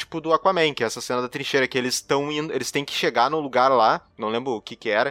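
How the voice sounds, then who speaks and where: A man talks at a very fast pace with hardly any pauses, his tone bright and sharp in a dry, close sound with no echo. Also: medium pitch for a man, ordinary pitch variation. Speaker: film commentator guest. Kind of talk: casual chat.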